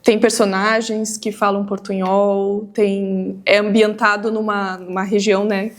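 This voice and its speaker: A woman's voice: mid-range voice, level tone, measured pace. A woman interviewer asking long questions, often restarting phrases as she forms them. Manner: searching, restarts phrases while forming questions.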